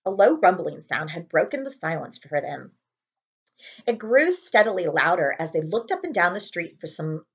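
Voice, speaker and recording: Female storybook reader, animated intonation, slightly dull lo-fi home recording. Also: on the low side, breathy edge. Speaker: librarian reading aloud. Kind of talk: storybook read-aloud narration. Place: small home room with window blinds.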